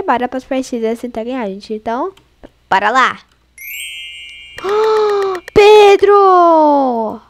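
Excitable high-voiced Brazilian woman gamer. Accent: Brazilian Portuguese. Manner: excitable, squealing and laughing, chatty with viewers. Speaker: gaming YouTuber. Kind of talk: excited gameplay commentary.

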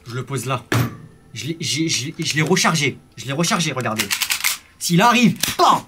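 A young man commentating a horror game live, swinging from startled yells to hushed muttering, full of slang. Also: medium pitch, big pitch swings, normal speed, noisy background. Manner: French street slang. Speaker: gaming youtuber.

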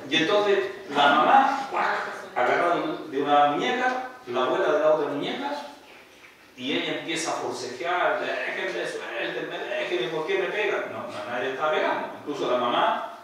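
A man, a priest, telling a story in a sermon at a retreat, animated and acting out what people said. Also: on the high side, moderate pace. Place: retreat hall. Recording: echoey room, far from mic.

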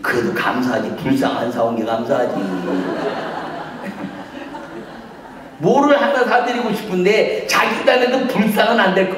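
A man preaching at a revival meeting as pastor, acting out conversations and breaking into shouts. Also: on the low side, slight background noise. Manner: animated, shouts and acts out dialogue. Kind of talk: revival sermon. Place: large church revival meeting. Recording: echoey hall, mic from far off.

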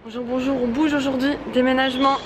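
A woman's voice: sits high, little pitch movement, fast. A young woman talking to a handheld camera in a casual, chatty, self-mocking way, laughing often as she walks through a busy convention hall. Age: young adult. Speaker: artist vlogger. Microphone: handheld camera at arm's length. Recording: noisy crowded convention hall. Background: loud crowd chatter.

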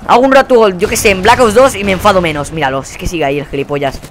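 Foul-mouthed Spanish gamer yelling at his match. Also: high-pitched, racing, a little hiss or hum. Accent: Spain Spanish. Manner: profane, exasperated ranting with sudden yelled outbursts. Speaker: gaming channel host. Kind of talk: live gameplay commentary.

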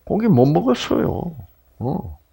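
Older Korean man, gravelly, chatty lecturer. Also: fairly high pitch, slow pace. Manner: chatty, animated, frequent fillers and asides to audience. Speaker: health lecturer. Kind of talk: health lecture with personal stories.

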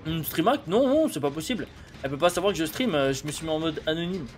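A young man with a French accent commenting live on a game, excitable and laughing as he chats with viewers. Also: a little high, quick pace, slight background noise. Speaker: streamer. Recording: music playing behind.

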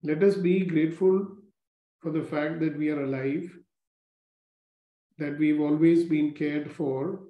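A man leading a guided gratitude meditation, speaking slowly and calmly with repeated phrases. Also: fairly high pitch. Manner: slow, calm, repetitive instructions. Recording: roomy, dull lo-fi recording.

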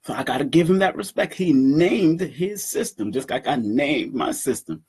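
A man in his fifties talking to his webcam from a room at home, animated and boastful, laughing often as he addresses his community. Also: a little high, normal speed, slightly rough. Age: 50s. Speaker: event organizer and numerology teacher. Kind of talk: casual talk to camera. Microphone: webcam at desk.

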